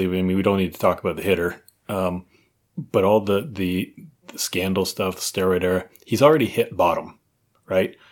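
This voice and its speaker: With a Canadian accent, a man speaks at a fairly quick pace in a normal speaking voice with fairly low pitch. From Canada. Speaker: former pro baseball pitcher. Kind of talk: casual chat.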